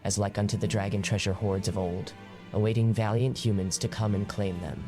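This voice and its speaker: Actor as a solemn, lower-pitched fantasy narrator. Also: male voice, steady tone, brisk, music in the background, natural voice. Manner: solemn, formal. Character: solemn male lore narrator in a fantasy game. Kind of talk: scripted narration.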